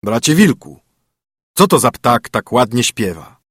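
Man doing a loud scornful storybook bear, husky voice, lively swooping delivery, dry close sound. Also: mid-range voice, measured pace, no echo. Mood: curious. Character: rude blustering male bear.

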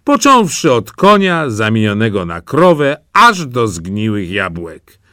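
A man's voice: fairly low pitch, a little slow, dry recording. A man reads a fairy tale aloud, his voice rising and falling with lots of life. He takes his time over each phrase, and the recording is close and dry with no room sound. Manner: animated storybook narration. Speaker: storyteller.

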